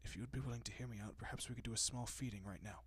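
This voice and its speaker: A man playing a gentle, courteous, possessive vampire in an intimate audio roleplay, speaking softly and often dropping to a whisper with hushed reassurance. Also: medium pitch, racing, breathy edge, no room sound, lightly acted. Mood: coaxing, tender. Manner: hushed, reassuring, politely old-fashioned.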